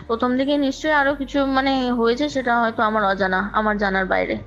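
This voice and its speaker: A woman's voice: on the high side, steady tone, brisk, a bit bright. A woman telling a personal story conversationally, talkative and repeating phrases for emphasis, with some English words mixed in. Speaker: guest recounting own ghost experience. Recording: dull lo-fi call recording, music underneath. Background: music.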